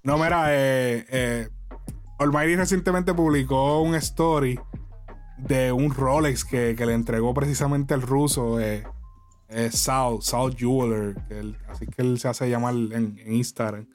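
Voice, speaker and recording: A man hosting a casual chat, animated and laughing often, mixing in English. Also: mid-range voice, a little slow, faint music behind. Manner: animated, laughing, code-switching. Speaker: podcast host.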